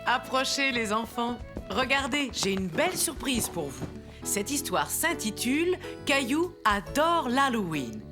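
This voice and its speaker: A woman storyteller narrating a French children's cartoon, expressive and speaking as if to young listeners. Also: a little high, a little slow, over music.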